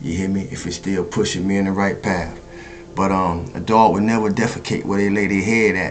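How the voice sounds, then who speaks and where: With music in the background and audible room echo, a man speaks at a fairly quick pace in a fairly low pitch. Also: fairly even intonation. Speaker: spiritual motivational speaker. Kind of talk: motivational monologue. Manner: fast; halting.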